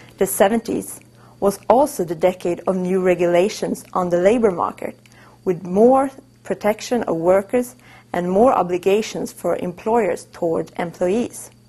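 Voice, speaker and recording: A woman's dark, mellow voice in a Swedish accent, with ordinary pitch variation. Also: medium pitch for a woman, moderate pace. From Sweden. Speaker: economics presenter. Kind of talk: scripted narration.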